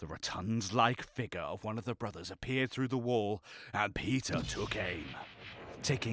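The intonation holds fairly even throughout. It is plain reading aloud.

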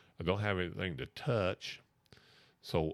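With a Southern US accent and some vocal fry, the speaker moves at a moderate pace in a very clean recording with a silent background. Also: man. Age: 50s. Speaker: podcast host. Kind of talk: comedic storytelling monologue.

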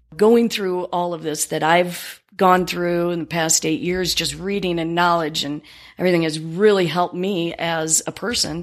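A woman with an American accent in a normal speaking voice, fairly low in pitch, with fairly even intonation at a moderate pace and hardly any pauses. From US Midwest, Chicago suburbs. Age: 50s. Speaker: health and wellness coach. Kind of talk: interview.

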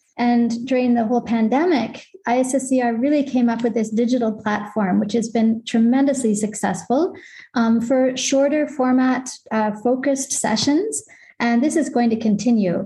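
A woman with a dark, mellow tone and a fairly high pitch talks at a fairly slow pace, her pitch varying in an ordinary way. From Canada. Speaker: neuroscientist. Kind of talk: casual chat. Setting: video call.

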